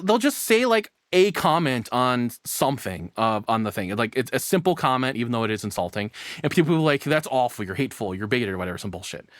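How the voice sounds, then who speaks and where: A man doing casual live reaction commentary as a streamer, excitable and rambling, swearing freely. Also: medium pitch, no room sound, studio quality. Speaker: VTuber streamer reacting to videos.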